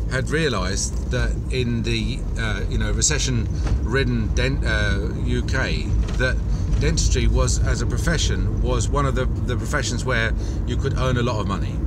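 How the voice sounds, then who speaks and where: Loud background noise sits behind this man's voice. He talks at a moderate pace. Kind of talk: casual vlog chat. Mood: critical, reflective. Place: car. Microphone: phone near.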